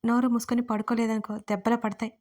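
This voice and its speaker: A woman voicing a short-tempered young husband who speaks curtly and gruffly. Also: fairly high pitch, level tone, fast talker, darkish tone, close to an everyday voice. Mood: stern.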